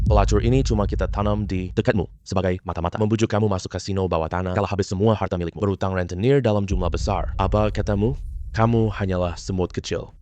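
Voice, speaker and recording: A man's voice: low-pitched, a little mellow, dry recording, lightly acted. A man voicing an arrogant, cruel gangster boss, in a cold, threatening dubbed drama delivery.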